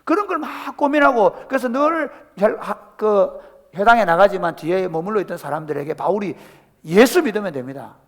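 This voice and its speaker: Animated Korean pastor preaching in a reverberant church. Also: male voice, high voice, normal speed. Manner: animated preaching, acts out quoted voices, asks the congregation questions. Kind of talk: sermon. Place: church sanctuary. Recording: church hall with long reverb.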